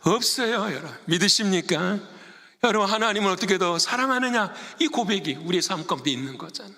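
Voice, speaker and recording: A Korean man preaching a sermon, throwing questions at his congregation and answering them himself. His voice sits high and swings widely, with a bright, forceful edge. It rings out in a large church with a long reverb. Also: expressive, fast talker. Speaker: pastor.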